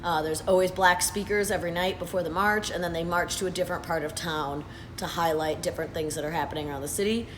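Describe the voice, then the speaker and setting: A hoarse man in his thirties talks earnestly in a casual vlog, pausing often with "uh" and "um". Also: on the high side, steady tone, background noise. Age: 30s. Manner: earnest, unhurried, with frequent "uh" and "um". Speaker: vlogger. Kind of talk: casual talking-head update. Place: sitting at his workplace after hours.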